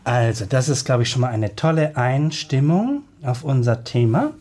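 A man hosting a radio interview, halting and filling pauses with many hesitations. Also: mid-range voice, very animated, dark tone. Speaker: radio host.

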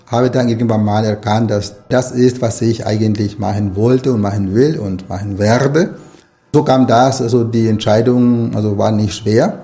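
Nicaraguan guy, spanish native, middle-aged, gravelly mellow voice, rambles thoughtfully in an interview. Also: mid-range voice. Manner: thoughtful, rambling, many restarts and fillers. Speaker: author and language lecturer. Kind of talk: interview answers.

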